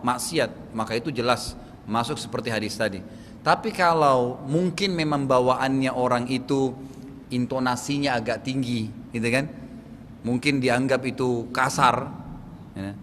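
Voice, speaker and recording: Indonesian preacher from Makassar in a reverberant hall. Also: male voice, medium pitch, fairly bright tone, slight background noise. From South Sulawesi, Indonesia. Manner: explanatory, repeats "gitu kan?" to check understanding. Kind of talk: religious Q&A lecture.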